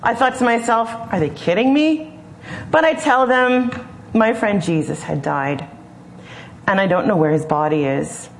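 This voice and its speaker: A woman voicing an awestruck woman disciple who excitedly retells her story. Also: mid-range voice, a little slow, a little hiss or hum, lightly acted. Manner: excited, incredulous, animated storytelling.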